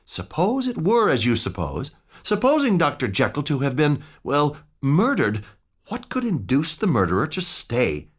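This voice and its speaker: A man voicing a middle-aged lawyer who speaks formally, measured but alarmed. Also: fairly high pitch, huge pitch swings, husky, voice pushed up, full character voice.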